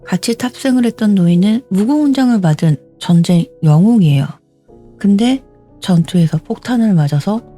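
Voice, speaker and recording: A woman in her forties, a storyteller host, narrates a story in a conversational, dramatic style into a studio microphone at home. Her voice is medium-pitched and warm.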